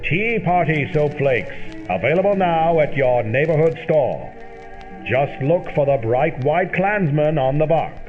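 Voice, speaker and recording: A man's voice: a little high, expressive, measured pace. A man playing a chirpy, polished salesman announcer in an old-time radio commercial style. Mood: upbeat selling. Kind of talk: vintage radio advertising pitch. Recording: tinny band-limited old-radio sound. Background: music.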